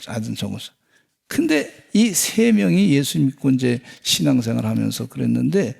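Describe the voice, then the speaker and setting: A middle-aged man, a pastor, preaching an animated sermon in a church and acting out the voices of the people he quotes. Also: mid-range voice, vocal fry, slightly rough. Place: church sanctuary.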